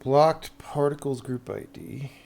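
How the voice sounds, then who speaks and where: Slow, gravelly man muttering while coding. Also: mid-range voice, darkish tone, a little hiss or hum. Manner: muttering to himself in short fragments. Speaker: game developer live-streaming. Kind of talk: casual thinking-aloud coding stream.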